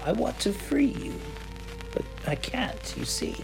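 A gentle, coaxing nun in a horror radio drama, speaking slowly with a lilting, gravelly edge, as a woman reader plays her. Music plays clearly underneath her voice. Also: on the high side, sing-song, full character voice, rough recording. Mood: soothing. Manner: slow, soothing, gently persuasive. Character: calm, coaxing nun caring for a child. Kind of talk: horror audio drama reading.

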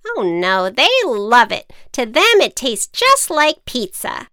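A wicked witch, put on by a woman reading a storybook, speaks loud and high with a sure, know-it-all air. Her tone leaps about with lively swings and a smooth, clear ring. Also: slow pace, no echo, studio quality, exaggerated voice. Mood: bossy, matter-of-fact. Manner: confident, matter-of-fact diagnoses.

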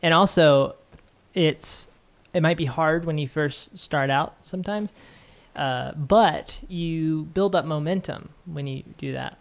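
A man's voice: on the high side, slow pace, gravelly. A man hosting a casual conversation, talking in a thoughtful, reflective way with frequent restarts. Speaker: podcast host.

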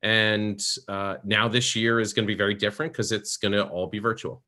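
Middle-aged man, bright forceful tone, animated storyteller, podcast guest. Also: lowish voice, brisk. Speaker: guest, professional Santa performer.

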